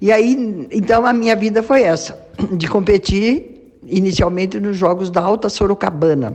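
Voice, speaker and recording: Against noticeable background noise, a woman speaks fairly slowly at a medium pitch with ordinary pitch variation. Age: 70s. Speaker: retired senior athlete. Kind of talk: radio interview. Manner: halting.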